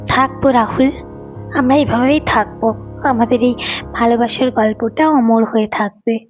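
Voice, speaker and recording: A woman's voice: a little high, fairly even intonation, normal speed, close to an everyday voice. A woman playing a lovelorn, devoted woman in an audio romance drama, with a tender, wistful, emotional delivery. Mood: loving. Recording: dull lo-fi audio with faint music. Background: faint music.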